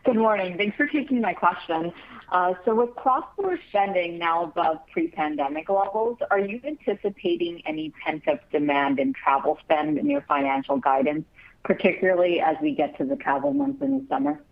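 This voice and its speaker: A woman with a creaky voice politely asking an analyst's question on an earnings call. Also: medium pitch, big pitch swings, moderate pace. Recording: dull telephone conference line.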